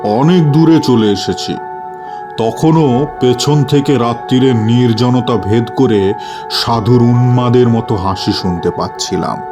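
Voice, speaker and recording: A man's voice: mid-range voice, unhurried. A man storyteller giving a dramatic first-person narration of a horror story. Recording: music bed under the voice.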